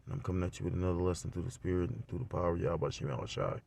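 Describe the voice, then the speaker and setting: A man with a deep voice gives a religious lesson recorded on his phone. He talks loosely and rambles, stacking up fillers. As he goes on he grows louder and more animated. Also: very fast, gravelly. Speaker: religious teacher.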